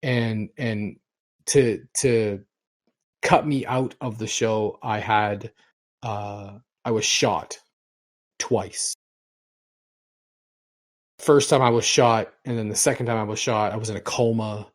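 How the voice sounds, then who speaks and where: Taking it slowly and pausing often, a middle-aged podcast co-host speaks in a fairly low voice with fairly even intonation. He tells long, rambling stories, repeating himself and restarting words frequently.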